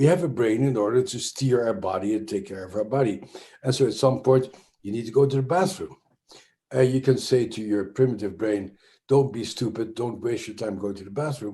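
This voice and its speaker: At a fairly quick pace, a man with a Dutch accent speaks with medium pitch, a dark, mellow tone, ordinary pitch variation and big swings in loudness. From Netherlands. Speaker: psychiatrist, trauma researcher. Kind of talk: interview.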